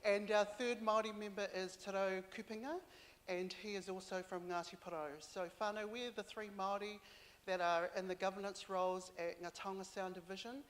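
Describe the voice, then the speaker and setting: NZ woman, board member at a hui, halting delivery with fillers, mid pitch, long hall reverb. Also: steady tone. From New Zealand and Samoa. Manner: halting, with many fillers, mixing in Māori. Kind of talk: speaking at a community consultation.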